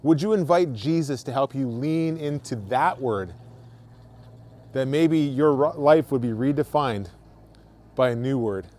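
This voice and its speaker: A man's voice: mid-range voice, a little slow, darkish tone. A man speaking as a pastor in a short devotional, earnest and conversational, often repeating words as he restarts a thought.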